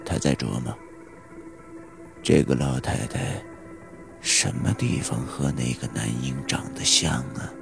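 A man narrating a horror audiobook in a slow, suspenseful storytelling manner. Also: a bass voice, vocal fry. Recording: audiobook with background music.

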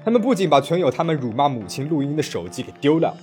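A man's voice: a little high, very animated, fast talker, darkish tone, faint music behind. A man narrating a true-crime story from a script, telling it dramatically with rising emphasis.

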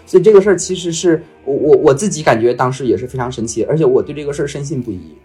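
A man's voice: mid-range voice, lively intonation, very fast, mellow, faint music behind. A man from Northeast China talking earnestly on a podcast, often stumbling and restarting. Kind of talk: casual podcast chat.

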